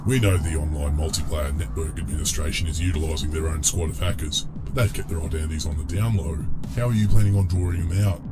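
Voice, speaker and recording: Extremely deep villain henchman. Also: fast talker. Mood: sceptical. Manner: blunt, questioning. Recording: loud music behind the voice.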